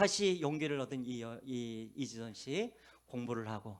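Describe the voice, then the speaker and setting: A man at a medium pitch, with an unremarkable speaking voice, lively intonation, and a moderate pace, on a very clean recording with a silent background. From South Korea, Gwangju (Jeolla). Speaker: pastor. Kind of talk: sermon. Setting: church.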